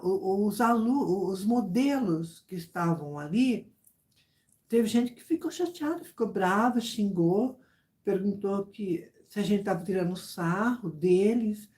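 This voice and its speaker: A woman chatting casually with her viewers, telling a story in an animated way with many repeated phrases and asides. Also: medium pitch. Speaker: YouTuber chatting with subscribers.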